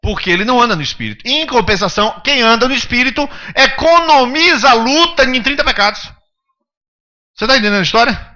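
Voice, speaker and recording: A man's voice: very high voice, sharp tone, highs cut off. A male pastor preaching a sermon, emphatic, pressing the congregation with rhetorical questions.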